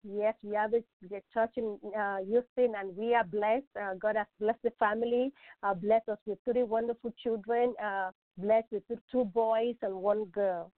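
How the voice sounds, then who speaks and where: A woman's voice: mid-range voice, fairly even intonation, moderate pace, no echo. A woman from Nigeria with a Nigerian accent, a guest answering interview questions in a joyful, prayerful way. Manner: joyful and prayerful, laughing easily. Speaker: guest, pastor's wife and author. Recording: dry, tinny phone line.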